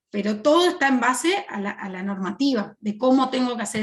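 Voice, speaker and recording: This woman speaks with a Uruguayan accent. Her pitch is fairly high. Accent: Uruguayan Spanish (Rioplatense). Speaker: university lecturer in accounting. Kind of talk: lecture. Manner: fast.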